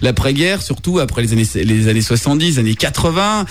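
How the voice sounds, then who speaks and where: A man nearing forty who hosts a casual radio chat show, relaxed and hesitant, with many fillers and restarts. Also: mid-range voice, fairly quick. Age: 30s. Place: radio studio.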